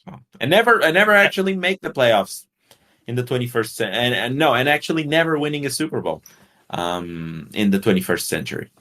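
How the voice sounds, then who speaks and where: A man's voice: medium pitch, sing-song, a little fast, pushed and bright. A man from Portugal co-hosting a casual sports podcast, talking bluntly with swearing and rambling explanations. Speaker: podcast co-host.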